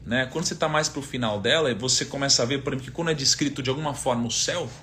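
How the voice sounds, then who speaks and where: A Brazilian man in his thirties, with a Brazilian Portuguese accent, talks through faith and money lessons in a relaxed, teacherly live stream. His voice is slightly high, bright and forward, with a little hiss or hum in the background. Conversational throughout, he relies on rhetorical questions and quoted verses.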